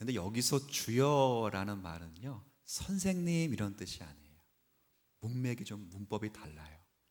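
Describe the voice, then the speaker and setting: A man speaks at a fairly slow pace in a fairly low voice. Both his pitch and loudness swing widely. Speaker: pastor giving a sermon. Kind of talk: church sermon (expository preaching).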